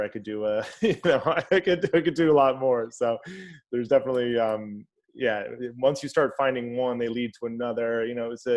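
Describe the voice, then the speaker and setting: A man with a fairly low voice, in a relaxed interview. He explains things in a loose, wry, conversational way, often starting over and adding "you know" as he thinks. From New York. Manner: relaxed, many fillers and restarts, wry. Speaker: author being interviewed.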